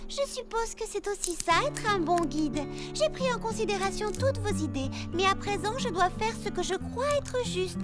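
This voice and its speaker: A woman voicing a kind, earnest little girl leader in a children's cartoon, with a gentle manner. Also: very high-pitched, lively intonation, normal speed, few pauses. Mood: earnest resolve. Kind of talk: dubbed children's cartoon acting. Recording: background music.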